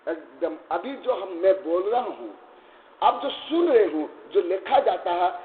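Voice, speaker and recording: A man teaching a scripture class, chanting Sanskrit commentary slowly and then explaining in quick conversational speech with questions to his listeners. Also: sits high, very animated, a little hiss or hum. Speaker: Jain monk teaching scripture. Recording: echoey, tinny lo-fi hall recording.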